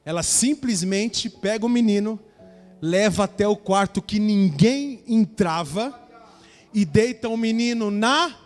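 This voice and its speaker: Man preaching, high-pitched voice, storyteller acting out dialogue, reverberant church hall. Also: animated, measured pace, faint music behind. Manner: storytelling preacher, acts out dialogue, addresses congregation. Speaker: pastor. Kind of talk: sermon.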